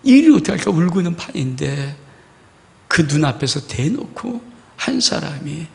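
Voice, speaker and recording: A man's voice: a little high, very animated, normal speed, creaky, a little mellow, long reverb tail. A male pastor preaching a fervent sermon and reading scripture aloud to his congregation. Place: church sanctuary.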